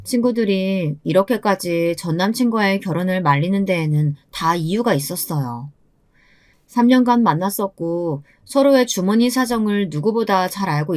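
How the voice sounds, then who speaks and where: Confiding young woman narrating her story. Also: medium pitch. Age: 20s. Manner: confiding, lamenting. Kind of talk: scripted first-person story narration.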